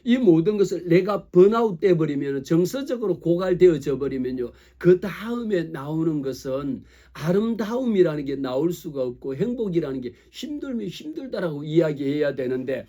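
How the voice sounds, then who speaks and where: High-voiced, mellow male pastor preaching. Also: moderate pace. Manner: animated preaching, acts out quoted voices; speaks directly to the congregation with rhetorical questions. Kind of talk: sermon.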